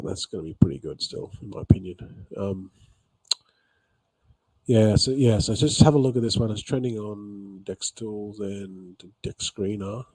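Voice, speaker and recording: A man's voice: fairly low pitch, dark tone, slightly rough, no echo, rough recording. A man in a rambling casual vlog about crypto, tired after a late night, repeating himself with many ums. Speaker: crypto vlogger. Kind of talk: casual talk to camera.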